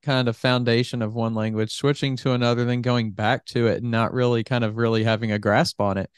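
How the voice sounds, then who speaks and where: A man's voice: mid-range voice, little pitch movement, brisk, clear, resonant tone, no room sound. A young man hosting a podcast, asking rambling, easygoing questions into a studio microphone. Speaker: podcast host. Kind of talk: interview questions and read sponsor ad. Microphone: studio microphone with headphones.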